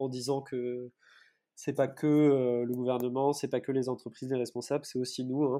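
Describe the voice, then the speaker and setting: In a dark, mellow tone, a man at medium pitch speaks with monotone, flat intonation. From Marseille, southern France. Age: 30s. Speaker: food startup co-founder. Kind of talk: casual interview. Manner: hesitant, many fillers and repetitions.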